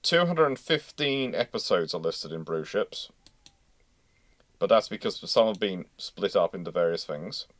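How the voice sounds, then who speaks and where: A man's voice: low-pitched, animated, measured pace, a bit bright, dry recording. A man hosting a casual livestream, chatting in a rambling way as he thinks aloud. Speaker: host of a naval history livestream.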